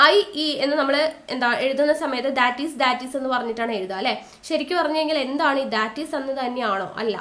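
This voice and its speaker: A woman with a Malayali accent and a fairly high voice teaches a recorded exam-prep lesson. She asks questions and answers them herself, and slows down to repeat key terms. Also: fairly bright tone.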